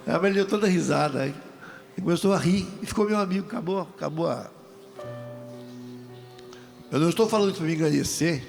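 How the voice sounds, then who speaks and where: Gravelly older man preaching with jokes. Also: on the high side, moderate pace, long pauses, faint music behind. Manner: lively storytelling, jokes and asides to the crowd. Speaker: deacon. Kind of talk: testimony preached to a live audience.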